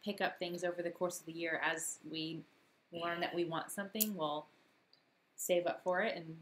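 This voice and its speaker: A woman in her thirties talks casually through a home live stream, relaxed and laughing easily. Her voice sits on the lower side and sounds a bit worn, as if she is losing it. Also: normal speed, slight background noise.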